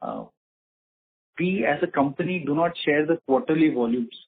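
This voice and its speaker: A man with an Indian accent, speaking formally and in measured explanations as an executive answering questions on an earnings call. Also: a little high. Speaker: company executive answering investors. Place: conference call. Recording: muffled narrowband phone line, slightly rough.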